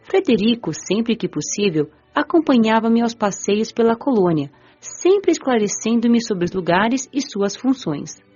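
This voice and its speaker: A woman's voice: on the high side, big pitch swings, a little slow, few pauses, a little mellow, slightly rough. A woman with a Brazilian accent reading scripted first-person narration for an audiobook. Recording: muffled lo-fi audio with music.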